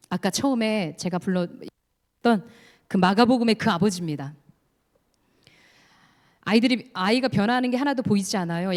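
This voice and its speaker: A woman's voice: medium pitch, a little mellow. Earnest woman giving a church testimony. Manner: earnest storytelling, leads the congregation in reading. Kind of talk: testimony sermon. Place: church sanctuary. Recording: long church hall reverb.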